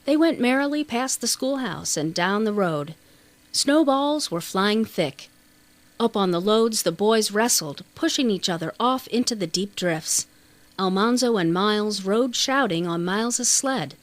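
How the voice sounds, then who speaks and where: A woman narrates a children's novel in a mid-range voice. Her delivery is scripted and measured, with the expressive shaping of an audiobook storyteller. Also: mid-range voice, dry recording.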